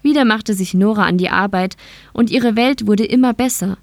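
A woman's voice: mid-range voice, moderate pace, no room sound. Woman narrating an audiobook, dry sound. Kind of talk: scripted narration.

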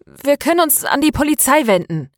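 An indignant young female student from an audiobook, acted out by a woman narrator. She speaks emphatically and defiantly, her voice pitched up, in a close, dry recording. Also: big pitch swings, brisk, no echo. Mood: defiant, agitated. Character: angry, stubborn young female student, passionate and worried. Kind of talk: dramatized audiobook dialogue.

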